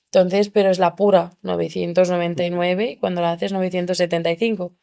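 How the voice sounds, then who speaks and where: A woman's voice: lowish voice, brisk, creaky. Young Spanish woman telling a story vividly. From Spain. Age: young adult. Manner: animated, acts out quoted voices. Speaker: interview guest. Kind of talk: emotional storytelling in a podcast.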